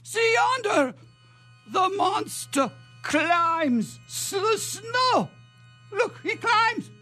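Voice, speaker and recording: A man voicing a frightened, halting gypsy villager in melodramatic radio theatre. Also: very high-pitched, big pitch swings, sharp tone, faint music behind, pitched above the performer's own voice, exaggerated voice. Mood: alarmed. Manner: halting, alarmed, exclamatory.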